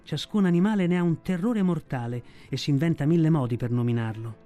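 A man narrating a classic story for radio in a calm, measured way. His voice is slightly high and warm, with faint music underneath. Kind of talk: audiobook reading.

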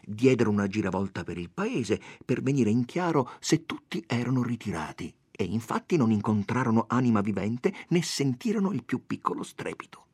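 A man giving a dramatic reading of a classic novel, expressive and animated. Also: moderate pace, hardly any pauses, breathy edge, no echo, studio quality. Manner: expressive, raises pitch for quoted characters. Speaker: audiobook reader.

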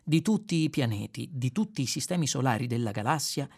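A man narrating a novel as an audiobook, in expressive storytelling with varied pace. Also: medium pitch, brisk, husky. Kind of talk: scripted narration.

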